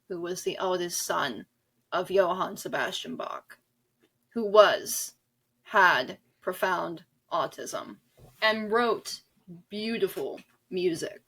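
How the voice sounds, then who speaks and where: A woman's voice: mid-range voice, fairly bright tone, rough recording. A woman guest in a conversational podcast interview, talking in an earnest, emphatic, rambling way. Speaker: interview guest, author and audio drama director.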